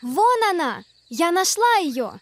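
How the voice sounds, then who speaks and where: A woman's voice: very high voice, big pitch swings, slow, exaggerated voice. A woman voicing a clever, cautious girl on a quest in a fairy-tale cartoon, earnest and careful. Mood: startled, alert. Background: background music.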